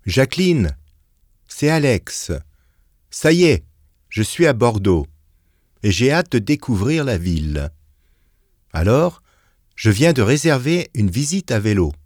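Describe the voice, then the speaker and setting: A man's voice: medium pitch, no room sound, studio quality. An actor playing a young man who leaves an eager voicemail message for a friend, in a scripted exam recording. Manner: eager, lively, clearly paced scripted delivery. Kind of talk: scripted listening-exam dialogue.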